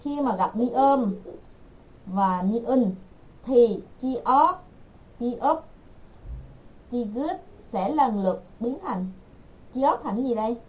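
A woman teaching an online language class, repeating words slowly and patiently for her learners. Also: on the high side, expressive, darkish tone, poor audio.

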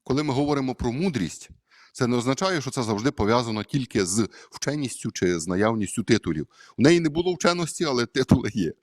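A man's voice: mid-range voice, animated, fast talker, no room sound, studio quality. A man, a Catholic priest, giving a conversational homily full of hesitations and fillers.

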